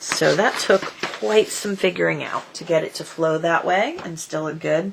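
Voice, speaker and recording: A woman talks at a moderate pace. She is soft-spoken. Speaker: henna artist. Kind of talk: tutorial. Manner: casual, with filler ums.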